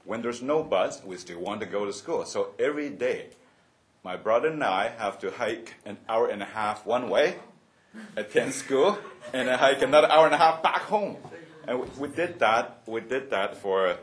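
Older man reminiscing, halting and chuckling. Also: mid-range voice, animated. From Hong Kong. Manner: halting, many fillers and restarts, laughs often. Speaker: roundtable speaker. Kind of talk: personal reminiscence at a panel.

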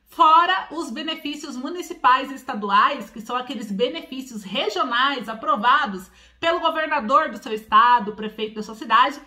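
A woman's voice: high voice, pushed and bright. A woman in her forties with a São Paulo accent, hosting a news vlog straight to camera from a small room at home, drawing out key words with emphasis. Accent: Paulista Portuguese with rolled R. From São Paulo, Brazil. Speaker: channel host.

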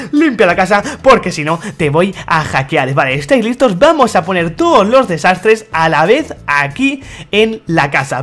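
A man's voice: sits high, fairly bright tone. A young man with a Spanish accent giving playful, teasing gameplay commentary while trolling other players. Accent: Spain Spanish. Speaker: gaming YouTuber.

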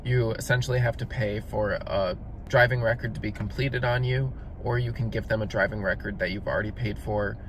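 Low-voiced male vlogger, straight matter-of-fact voice-over, faint hiss behind. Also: fairly even intonation, brisk. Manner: matter-of-fact, step-by-step explaining. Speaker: delivery driver vlogger. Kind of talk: narrated voice-over review.

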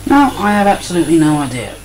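A woman's voice: deep voice, sing-song, fast, darkish tone, poor audio. A woman giving a casual, wry commentary while tinkering at a workbench, with apologetic asides, recorded on a desk microphone. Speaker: hobbyist radio tinkerer. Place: indoor workbench. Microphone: desk microphone near an amplifier.

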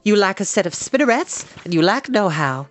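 A storybook reader voicing a clever female spider who teaches in a precise, patient, brisk way. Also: mid-range voice, very animated, faint music behind, voice pushed up, lightly acted. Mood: frank, kindly. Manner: precise, instructive, matter-of-fact.

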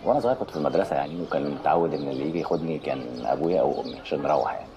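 An actor playing a cocky, wisecracking tough charmer in a comic film, teasing with an Egyptian accent. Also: male voice, extremely low pitch, racing, highs cut off, background noise. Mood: reflective, joking. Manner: teasing, sardonic. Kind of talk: comic screen acting.

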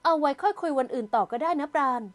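A woman voicing a smooth, coaxing young woman. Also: high-pitched, lively intonation, quick pace. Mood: soothing.

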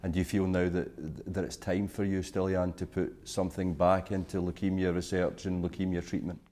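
Interviewer guy, low mellow voice, friendly straight questions. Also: little pitch movement, moderate pace.

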